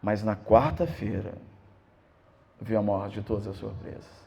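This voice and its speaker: A man, a pastor preaching a sermon, telling a personal story in an animated way. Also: fairly low pitch, a little slow, creaky, dull audio.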